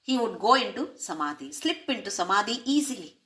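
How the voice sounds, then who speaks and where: A woman's voice: mid-range voice, very animated, a little fast, fairly bright tone. A woman explaining a spiritual text, posing rhetorical questions and using Sanskrit terms. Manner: asks rhetorical questions to listeners. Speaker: spiritual teacher.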